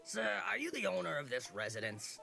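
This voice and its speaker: An actor playing an officious sea-creature tax collector in a video game, formal and impatient. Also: male voice, a little high, huge pitch swings, fairly quick, vocal fry, bright, forceful tone, soft background music, heavily acted.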